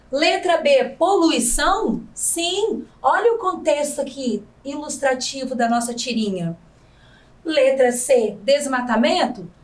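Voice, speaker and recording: A woman with a Brazilian accent presents a recorded science lesson in a scripted, teacherly way, putting quiz questions to her students. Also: high voice. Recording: voice a bit distant from the mic.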